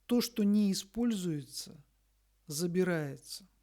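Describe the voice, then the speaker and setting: Slow, solemn woman reading scripture-like text. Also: fairly low pitch, animated, warm tone. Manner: measured, deliberate, with long pauses between short phrases. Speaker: spiritual messenger reading a message.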